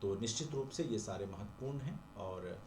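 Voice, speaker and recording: A man's voice: lowish voice, animated, normal speed. A man with an Indian accent teaching an exam-prep class in question-and-answer style, repeating points for emphasis. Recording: echoey room with noticeable background noise.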